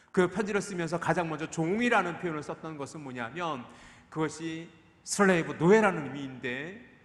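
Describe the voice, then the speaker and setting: Ordinary pitch variation with audible echo from the room. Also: man. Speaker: pastor. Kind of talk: sermon. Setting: church. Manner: fast.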